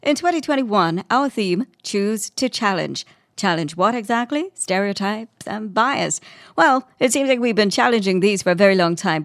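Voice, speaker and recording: A woman's voice: mid-range voice, no room sound, clean studio sound. A woman, hosting and interviewing in a radio presenter's style. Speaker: radio host and podcast interviewer. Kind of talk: scripted narration and interview.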